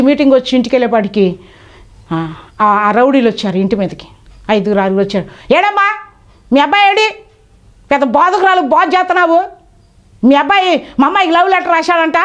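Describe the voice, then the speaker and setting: A middle-aged woman preacher with a Telugu accent, delivering an impassioned sermon that swings between loud calls and low confiding tones. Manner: acts out voices in her stories. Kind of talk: sermon with testimony.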